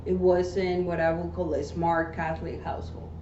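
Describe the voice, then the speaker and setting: A woman from Mexico City, a guest in an interview, earnestly shares her personal testimony, often tagging sentences with "right?". Her voice is fairly low and dark, with little pitch movement and a normal speed. The audio is echoey and dull, with a faint hiss.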